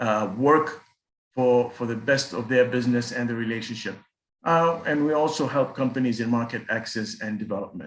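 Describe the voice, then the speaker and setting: This man speaks in an Arabic accent with a medium pitch. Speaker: keynote speaker, entrepreneur. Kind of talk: keynote speech.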